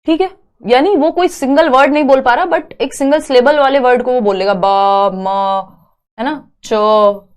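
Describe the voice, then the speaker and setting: A young woman teaching a live online class, explaining step by step and slowly repeating key terms. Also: sits high. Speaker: online exam-prep teacher.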